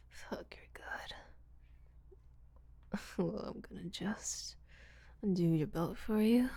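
A woman playing a breathy, giggling seductress. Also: medium pitch, mellow, no room sound. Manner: breathy whispering, frequent giggles, teasing. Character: teasing, domineering seductive woman, rough-handed. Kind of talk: audio roleplay.

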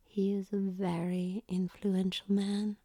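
A woman voicing a young foreign woman who gives orders in a measured, formal whisper. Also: mid-range voice, little pitch movement, dark tone, no room sound, clean studio sound. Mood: cool commanding. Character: commanding foreign young woman, cool and controlled.

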